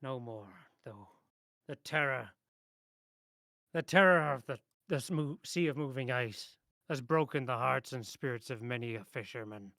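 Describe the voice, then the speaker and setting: A man voicing a gruff old fisherman in a tabletop role-play, sentimental and haunted by his lost crew, talking in salty sailor phrases. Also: medium pitch, unhurried, sharp tone, dry recording, studio quality. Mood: mournful, regretful. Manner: gruff old-sailor talk with matey and aye.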